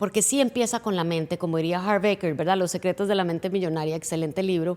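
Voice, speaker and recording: At a fairly quick pace, a woman talks in a plain, everyday voice with a medium pitch and ordinary pitch variation. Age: 50s. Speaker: business coach. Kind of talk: podcast interview.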